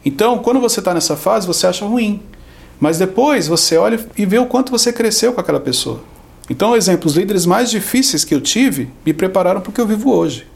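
Brazilian man, podcast guest, gravelly and brisk, teaches through acted-out quotes. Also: high voice, expressive. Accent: Brazilian Portuguese. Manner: explains with everyday examples and acted-out quotes. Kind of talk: conversational teaching.

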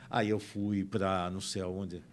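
A man's voice: sits low, level tone, a little slow, slight background noise. A man putting on the voice of a spoiled, carefree young woman who is a perpetual student, speaking flippantly and dismissively. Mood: breezy.

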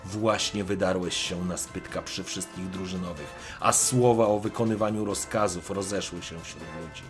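A man narrating a dark story in the second person, in a brooding, measured way. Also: low-pitched, fairly even intonation, over music. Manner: slow, brooding, measured delivery.

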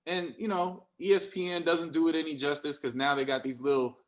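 A man's voice: on the high side, little pitch movement, fairly quick. A man giving opinionated, casual sports commentary in a blunt, exasperated way, with short emphatic phrases. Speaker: sports talk panelist.

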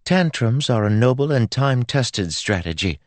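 A man voicing a stubborn, outspoken teenage girl in an audiobook, with a loud, dramatic, insistent manner. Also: medium pitch, animated, normal speed, no room sound, voice pushed up, lightly acted. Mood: airy, pleased.

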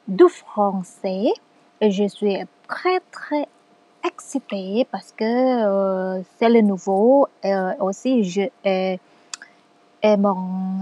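A woman's voice: mid-range voice, mellow, no echo. A young woman who is not a native French speaker, recording a class podcast as a student in a hesitant, casual monologue full of fillers and restarts.

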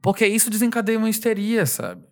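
Relaxed chatty man. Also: high-pitched, fast talker. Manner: relaxed, rambling, laughs often, acts out fans. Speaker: singer being interviewed. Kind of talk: casual interview conversation.

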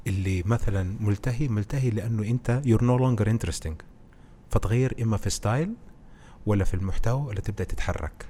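A man, a podcast guest who explains presenting skills through animated stories in casual conversation. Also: fairly low pitch, slight background noise. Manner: animated storytelling, explains with anecdotes.

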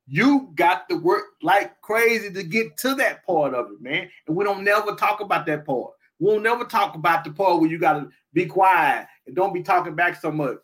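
A man in his fifties with a high, bright, ringing voice co-hosts a casual talk show. He drives each point home with emphatic repetition, circling back to the same line until it lands. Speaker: podcast co-host. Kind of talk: casual opinion chat.

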